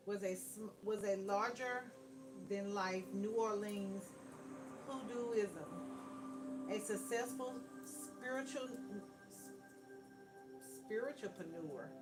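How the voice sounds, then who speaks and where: A woman in a mid-range voice gives an unhurried, chatty tarot reading, reading each card's text aloud and then talking it over. Clear background music plays under her the whole time. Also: mid-range voice. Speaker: tarot card reader. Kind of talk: casual card reading with commentary.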